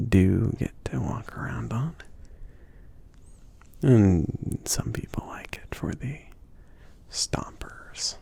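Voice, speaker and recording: Breathy, whispering man as an easygoing male mage. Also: fairly low pitch, exaggerated voice. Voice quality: breathy, half-whispered, gravelly. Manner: hesitant, rambling, gently teasing. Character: soft-spoken, bashful, easygoing male mage shopkeeper, indulgent. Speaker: ASMR roleplay performer. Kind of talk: intimate ASMR roleplay.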